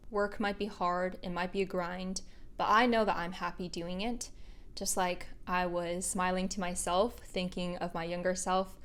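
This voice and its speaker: A young woman speaks straight to her viewers in a reflective, motivational vlog. Her tone is earnest and upbeat, and she lets out soft laughs as she talks. Her voice sits at an ordinary middle pitch. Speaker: video creator.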